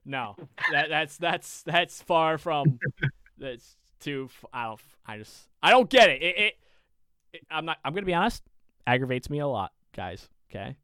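Bright, crisp young man telling a story. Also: fairly high pitch, normal speed, no echo, clean studio sound. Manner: animated, profane, rambling with restarts. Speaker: podcast co-host. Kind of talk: casual storytelling chat.

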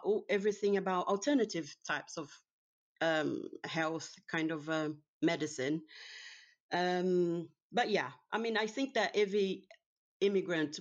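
A woman from Brazil with a Brazilian accent, a Portuguese speaker talking in English as an interview guest, in a halting, easygoing way with many pauses and restarts. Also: lowish voice, lo-fi sound. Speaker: guest, house cleaner. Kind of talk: casual interview chat.

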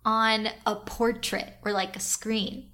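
A woman's voice: a little high, flat delivery, slow pace, sharp tone. A young woman chatting casually as a player in a tabletop role-playing game, upbeat and giggly. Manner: giggly, upbeat, many fillers.

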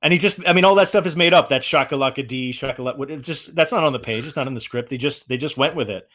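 A man hosting a casual film discussion, halting and repeating phrases as he builds his points. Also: medium pitch, fairly bright tone. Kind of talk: casual film commentary chat.

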